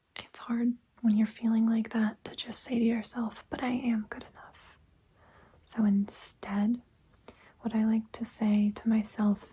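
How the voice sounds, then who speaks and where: A soft-spoken woman's voice, fairly high-pitched and somewhat breathy, with a dark, mellow tone and flat, monotone intonation. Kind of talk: ASMR soft-spoken self-help talk.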